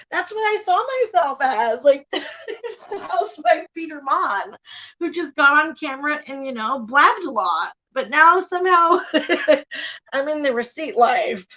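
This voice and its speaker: A woman's voice: high voice, sharp tone. A woman hosting a casual commentary stream, blunt and profane, laughing often as she reacts. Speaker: YouTube commentary host. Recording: slightly dull lo-fi sound.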